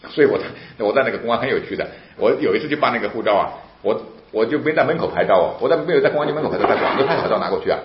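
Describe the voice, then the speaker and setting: A man's voice: mid-range voice, animated, very fast, hardly any pauses. A middle-aged man, a Christian speaker, casually telling a story and animatedly acting out the back-and-forth dialogue with emphatic outbursts. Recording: roomy, dull lo-fi recording with faint hiss.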